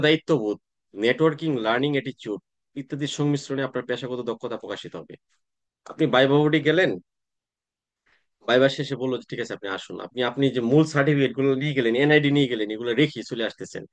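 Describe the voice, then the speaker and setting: A man, teaching an online class in a relaxed, conversational way, often pausing to check that students follow. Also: mid-range voice. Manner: conversational teaching with frequent "তাই না?" check-ins and hesitations. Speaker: tax exam coaching instructor.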